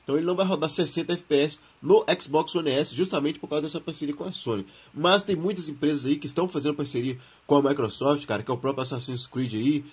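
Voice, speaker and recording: A man's voice: fairly high pitch, fast, hardly any pauses, slightly rough. A Brazilian man hosting a gaming channel, reading and commenting on news in informal, slangy talk, his throat sore from the flu.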